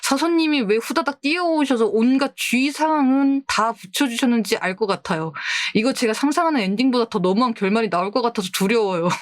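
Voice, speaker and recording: A woman's voice: a little high, a little fast, no room sound. A woman VTuber who streams about books, chatting casually and politely with a giggly manner as she reads out viewer posts. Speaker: book-themed VTuber streamer. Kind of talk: casual livestream chat, reading viewer posts.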